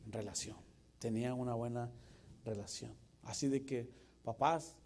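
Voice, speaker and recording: Lively man in his forties preaching. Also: medium pitch. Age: 40s. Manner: lively, jokey preaching that swings from loud to hushed. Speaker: pastor. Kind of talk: sermon.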